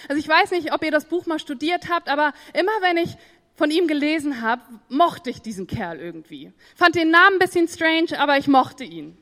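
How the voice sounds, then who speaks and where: Lively young woman preaching in a reverberant hall. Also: high voice, fairly quick. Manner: lively, conversational, talks to the audience. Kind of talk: sermon.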